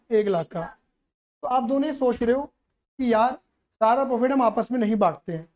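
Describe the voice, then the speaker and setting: A man's voice: very high-pitched, darkish tone. A man teaching accountancy to a live class, playful and teasing as he keeps quizzing the students.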